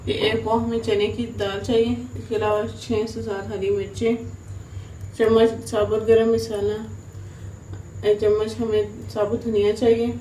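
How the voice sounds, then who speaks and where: Pakistani woman narrating a recipe, roomy kitchen sound. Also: on the high side. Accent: Pakistani Urdu. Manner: steady step-by-step instructions with filler "jo hai woh". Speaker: cooking channel host. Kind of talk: recipe tutorial voice-over. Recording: roomy, distant mic, kitchen noise.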